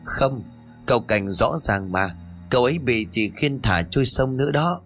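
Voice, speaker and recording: A man's voice: mid-range voice, expressive, normal speed, fairly bright tone, soft background music. A man voicing a frightened, childlike, deranged old village woman who pleads, whimpers and repeats herself. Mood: pouting.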